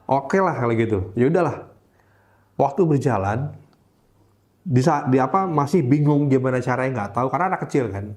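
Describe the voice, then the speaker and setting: A man in easygoing conversation tells a personal story at a mid-range pitch. He slips into the voices of the people he describes and often hunts for the right word along the way. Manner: animated, acts out the voices of people in his story; searches for words with frequent fillers. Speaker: interview guest recounting a religious conversion.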